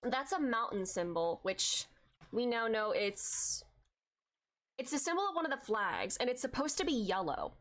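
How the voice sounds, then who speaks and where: A woman's voice: fairly high pitch, normal speed. A young woman streaming a game, chatting casually with viewers, with a congested voice and lots of filler likes. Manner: chatty, many filler likes, excited outbursts at finds. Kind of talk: casual gameplay chat with viewers.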